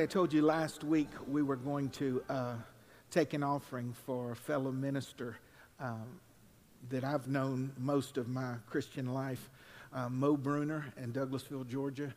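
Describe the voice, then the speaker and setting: An older man, a pastor preaching at a pulpit microphone, mixing folksy asides with loud, drawn-out scripture reading. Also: mid-range voice, fairly even intonation. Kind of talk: sermon. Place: church sanctuary. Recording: long reverb in a church hall.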